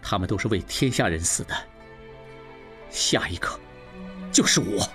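A man's voice: on the low side, expressive, unhurried, fairly bright tone, faint music behind. A man voicing a solemn, righteous male banker who speaks earnestly in an audiobook.

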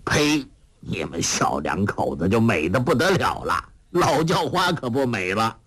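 A man voicing an eccentric old male beggar and martial arts master who talks gruffly and teasingly. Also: low voice, big pitch swings, a bit bright, no echo, studio quality, voice pushed down, full character voice. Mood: scolding. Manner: gruff, teasing, drawn-out exclamations.

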